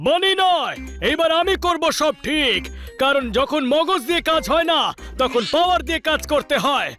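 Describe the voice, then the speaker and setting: A voice actor playing an excitable cartoon sidekick who talks in a dramatic, frantic way. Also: sits high, normal speed, heavily acted. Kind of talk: cartoon dub voice acting. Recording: studio voice with faint music.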